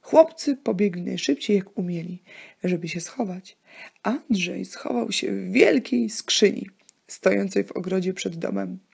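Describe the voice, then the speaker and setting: A woman reads a children's story in scripted narration. Her mid-pitched voice is husky, with very heavy vocal fry. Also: mellow.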